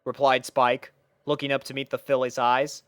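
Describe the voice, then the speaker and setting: A woman narrating a scripted story in an expressive manner. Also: rumbling low, normal speed, clean tone, dry recording, clean studio sound.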